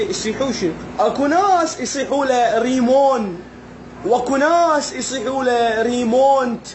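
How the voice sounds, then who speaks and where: A man's voice: very high-pitched, background noise. A man with an Iraqi accent, doing a playful, joking vlog monologue to his viewers in a mock-puzzled way. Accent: Iraqi Arabic. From Iraq. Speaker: vlogger.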